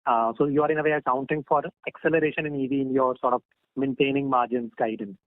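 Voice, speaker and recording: A man asking questions as an analyst on an earnings call, halting and often checking his understanding. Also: medium pitch, fairly even intonation, dry recording. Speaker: financial analyst caller. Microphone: phone call. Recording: dry, tinny phone line.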